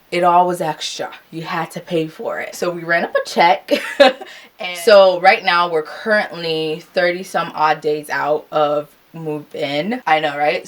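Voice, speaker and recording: A young woman vlogger in casual chat to camera, chatty and animated, laughing at her own asides. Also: deep voice.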